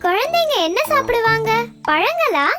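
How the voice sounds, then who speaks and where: A woman voicing a curious, excitable little creature in a children's cartoon, childlike and inquisitive. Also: very high voice, normal speed. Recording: loud music under the voice.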